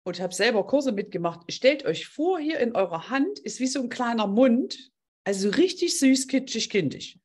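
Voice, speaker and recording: A woman's voice: a little high, lively intonation, moderate pace, a little mellow, slightly rough. A woman hosting an online group coaching session, talking in an effusive, heartfelt way and addressing participants directly.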